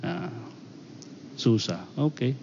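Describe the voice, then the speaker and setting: A man's voice: medium pitch, sing-song, very slow, vocal fry, darkish tone, slight background noise. A man preaching informally in a conversational sermon style, explaining with everyday examples. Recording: echoey hall, dull muffled sound.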